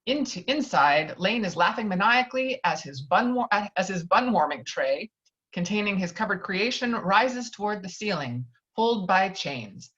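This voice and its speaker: A woman narrates the action of a film script at an informal read-through. Her voice sits at an average pitch, and she trips on words and corrects herself. The audio is a little dull and lo-fi. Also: lively intonation, normal speed, fairly bright tone. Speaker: reader of stage directions. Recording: dull lo-fi online call audio.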